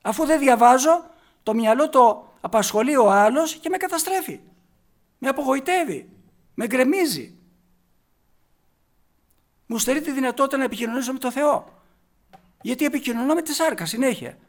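Preaching a sermon in a notably high-pitched voice, a man speaks emphatically and keeps asking his listeners rhetorical questions. His intonation is lively, dropping to quiet, slow passages to stress key words before surging into loud, forceful bursts.

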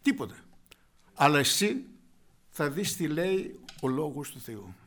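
A man preaching a fervent sermon, speaking directly to his listeners as brothers and swinging between quiet asides and loud outbursts. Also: fairly high pitch, sing-song.

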